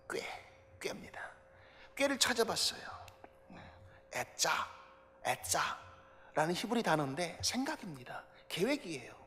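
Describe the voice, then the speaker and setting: A male pastor preaching a sermon in a church, firing off rhetorical questions and building up to loud, emphatic passages. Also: very high-pitched. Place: church sanctuary. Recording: long church hall reverb.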